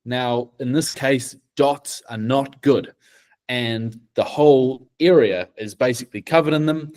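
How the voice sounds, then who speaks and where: Slow-spoken man with a New Zealand accent. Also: medium pitch, a little mellow. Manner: deliberate, measured delivery. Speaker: team presenter. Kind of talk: slow project presentation.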